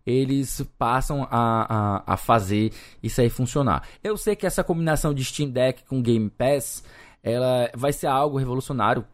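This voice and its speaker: A man's voice: medium pitch, moderate pace. A man with a Brazilian accent hosting a podcast in casual chat, thinking aloud and speculating as he goes. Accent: Brazilian Portuguese. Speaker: podcast host.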